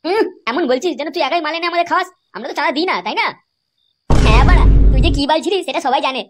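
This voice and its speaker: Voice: high-pitched, rapid-fire, heavy background noise, close to an everyday voice. A performer voicing a drunken, swaggering village man in a comedy cartoon, foul-mouthed, with a West Bengal accent. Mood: taunting. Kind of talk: amateur comedy cartoon dialogue.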